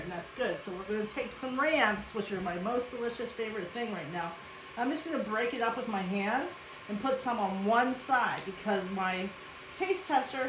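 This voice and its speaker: Chatty woman teaching a cooking demo. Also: fairly high pitch. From Western Pennsylvania, USA. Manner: chatty and instructive, with frequent asides. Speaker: cooking show host. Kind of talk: casual cooking demonstration. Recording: echoey room with clear background noise.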